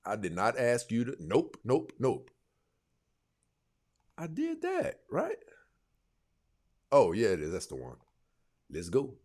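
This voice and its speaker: A man hosting a dating advice stream, lecturing his viewers in a casual, animated way. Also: medium pitch, slow, long pauses. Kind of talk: casual live commentary.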